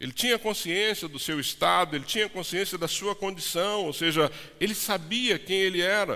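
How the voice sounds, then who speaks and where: A raised, projected voice with a Brazilian accent, bright and sharp in tone, at a moderate pace with ordinary pitch variation. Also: man, high pitch for a man. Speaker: pastor. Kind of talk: sermon. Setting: church.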